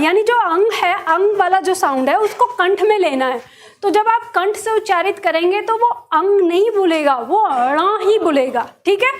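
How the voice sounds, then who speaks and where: An Indian woman teaching a lesson in a patient, step-by-step way, often checking that her students follow. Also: extremely high pitch. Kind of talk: classroom lesson.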